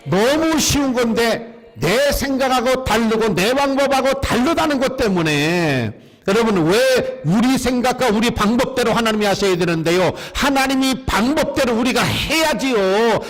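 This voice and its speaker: A male pastor preaches to his congregation in a high voice. He keeps asking them questions and having them repeat his lines back to him. The sound rings with the long reverb of a church sanctuary. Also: animated, moderate pace. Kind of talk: sermon.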